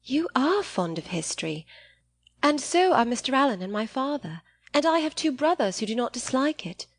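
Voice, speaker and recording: A woman's voice: high voice, sing-song, moderate pace, dry recording, pitched above the performer's own voice, full character voice. Woman reading as an earnest, naive teenage girl. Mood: candid. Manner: eager, apologetic, artless.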